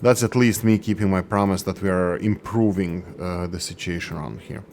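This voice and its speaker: A man's voice: low-pitched, normal speed, a little mellow, a little hiss or hum. A man hosting a gaming channel, giving gameplay commentary and thinking aloud as he works through production numbers.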